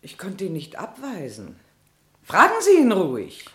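Lowish female voice, expressive pitch, haughty widow, curt, evasive, crime drama. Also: measured pace, noisy background. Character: haughty, evasive widowed society aunt under questioning. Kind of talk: German radio crime play dialogue.

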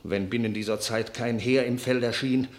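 An actor as an anxious medieval town councillor pleading for his city. His mid-pitched voice is solemn and formal, in the manner of a classic radio play. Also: fairly even intonation, moderate pace, lightly acted. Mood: grave, pleading. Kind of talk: classical radio drama acting.

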